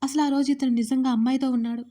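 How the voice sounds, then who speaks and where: A woman's voice: high voice, flat delivery, rapid-fire, dark tone, close to an everyday voice. A woman voicing a young woman who tries tearfully and urgently to explain herself to her friend, in an audio story.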